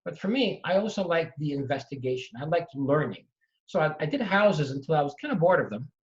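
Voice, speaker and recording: Animated middle-aged man on muffled audio. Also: a little high, a little fast. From Trinidad and Tobago. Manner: animated, emphatic storytelling. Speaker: real estate investor guest. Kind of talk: storytelling in conversation. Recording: dull lo-fi audio.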